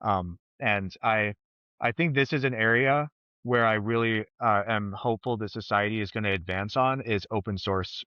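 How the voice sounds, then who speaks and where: Guy guesting on a podcast, thinks out loud, lots of ums, bright voice, dry sound. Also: on the low side, moderate pace, clear, resonant tone, no room sound, highs cut off. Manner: thoughtful, hesitant, many ums and restarts. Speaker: podcast guest, software developer. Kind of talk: casual podcast chat.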